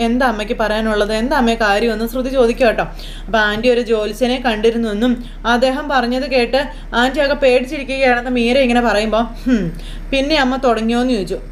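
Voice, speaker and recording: A woman from Kerala recaps a television serial episode at a rapid clip, in a slightly high voice. She talks in a chatty way and drops straight into the characters' lines as she goes. A faint background hiss sits under the recording. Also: poor audio. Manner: quick, chatty retelling that slips into quoting characters.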